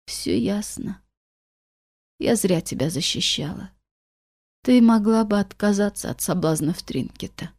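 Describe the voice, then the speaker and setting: A woman voicing a stern, grieving old grandmother in an audiobook, speaking in a hushed, half-whispered, bitter way. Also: fairly low pitch, takes it slowly, no echo, clean studio sound.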